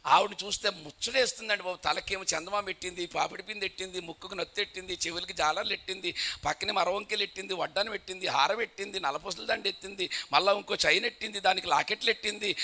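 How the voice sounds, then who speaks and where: A man preaching a sermon, telling humorous stories and building to loud, emphatic declarations. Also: high voice, fast talker.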